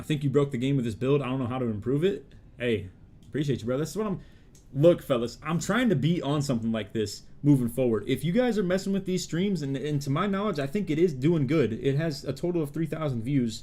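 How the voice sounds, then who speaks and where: A man's very fast, lively delivery in an American accent, fairly high in pitch and somewhat breathy. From Iowa, US Midwest. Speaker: gaming streamer. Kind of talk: live gameplay stream chat. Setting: live stream. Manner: casual, talkative.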